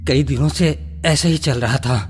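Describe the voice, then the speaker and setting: A man playing a sick, exhausted labourer father, speaking haltingly in a radio play, with a reverberant echo. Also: mid-range voice, close to an everyday voice. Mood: weak, dejected. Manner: halting, weary. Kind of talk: Hindi radio play acting.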